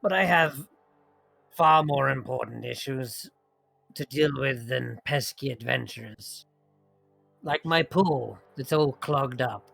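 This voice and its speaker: A man voicing a condescending hag villainess in a tabletop game, slow and theatrical, with mock-polite menace. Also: medium pitch, creaky, a bit bright, faint music behind, exaggerated voice. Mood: oily, bargaining. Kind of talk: tabletop role-play.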